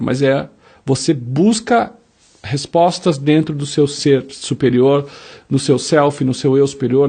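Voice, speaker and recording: A man's voice: fairly high pitch, vocal fry, mellow, husky. A man leads a self-help quiz, reading each statement and acting out sample answers in the first person. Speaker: motivational speaker.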